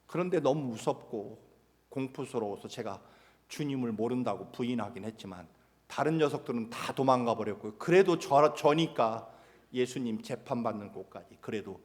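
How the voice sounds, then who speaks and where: A man's voice: medium pitch, expressive, normal speed, lightly acted. A man voicing Peter as a grown male disciple pleading and excusing himself, in a hall with long reverb. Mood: pleading defensive.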